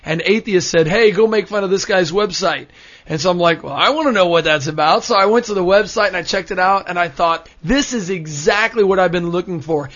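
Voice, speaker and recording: A man's voice: high voice, fairly quick, fairly bright tone. An American man in his thirties, speaking as a guest in a studio conversation, telling stories with enthusiasm. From United States. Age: 30s. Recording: dull lo-fi studio sound.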